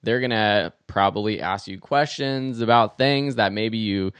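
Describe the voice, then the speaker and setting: A man's voice: lowish voice, measured pace, a bit bright, clean tone, no echo. A man hosting a podcast, upbeat and affirming as he thanks his guest and closes the show. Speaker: podcast host. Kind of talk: casual interview chat and show outro.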